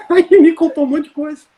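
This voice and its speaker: A high-voiced man tells his story in a loose, conversational way. He circles back, restarts sentences and leans on fillers. The sound comes through a video call. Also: little pitch movement, normal speed, warm tone. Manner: rambling, many fillers and self-corrections. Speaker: interview guest.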